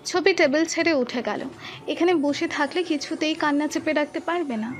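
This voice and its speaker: A woman narrates a romantic audio story in a high, clear voice. Her delivery is steady and expressive, with soft music playing faintly underneath. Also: moderate pace.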